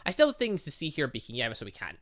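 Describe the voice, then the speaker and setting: A gaming channel host plays through a visual novel, reading its dialogue aloud and chatting and reacting between lines in a let's play. His mid-range voice swings hugely in pitch, moving fast with a fairly bright tone.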